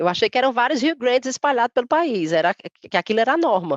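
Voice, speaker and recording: A woman at a fairly quick pace with very wide pitch swings, in a dry, close sound with no echo and a quiet background. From Ceará, Brazil. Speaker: content creator. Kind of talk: casual chat.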